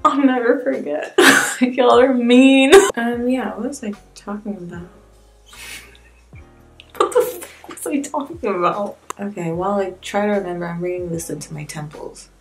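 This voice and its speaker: Speaking at a moderate pace in a mid-range voice, this woman in her twenties is a beauty vlogger giving a relaxed makeup tutorial. There's slight background noise in her small, plain-walled room, and her talk is candid, rambling and wryly self-deprecating.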